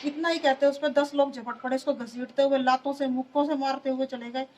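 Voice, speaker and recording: A woman giving a long account to a reporter, pausing on hesitant fillers as she recounts. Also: high voice, fairly even intonation, darkish tone, highs cut off, a little hiss or hum. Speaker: interviewee, a journalist's wife. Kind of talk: emotional testimony to a reporter.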